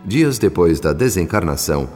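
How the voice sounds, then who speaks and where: A man narrating a radio drama as a humble spirit, in a solemn, measured, literary manner. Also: sits low, big pitch swings, darkish tone. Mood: solemn, compassionate. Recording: long reverb, music behind.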